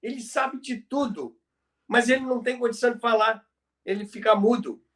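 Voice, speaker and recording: High-pitched Brazilian man telling a story. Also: a bit bright. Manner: halting, repeats words for emphasis. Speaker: podcast co-host. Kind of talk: conversational storytelling about radio history.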